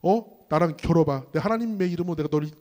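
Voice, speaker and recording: A cocky young believer, full of bold, excited challenge, in a high, bright voice. A man acts him out in a sermon story. Long reverb hangs behind him in a hall. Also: fast, natural voice. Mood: challenging. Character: eager young male believer, boastful.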